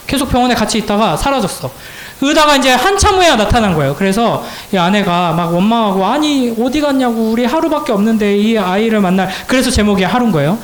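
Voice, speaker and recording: A man with a high voice preaches to teenagers in a church hall, and the sound carries an echo. He tells a story in a conversational way, then builds into fervent preaching. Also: fairly bright tone. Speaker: youth pastor. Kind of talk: sermon to high school students.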